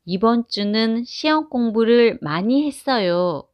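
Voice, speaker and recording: A woman reading short example sentences aloud, slowly and evenly, for language learners. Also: fairly high pitch, lively intonation, no echo, muffled recording. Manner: careful, evenly spaced phrase reading. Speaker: Korean phrase reader.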